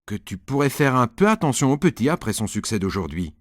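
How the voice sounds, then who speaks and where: A man voicing a patient mother in a storybook reading, speaking in a gentle, soothing way. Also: medium pitch, very animated, a little fast, no echo, studio quality. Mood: calm.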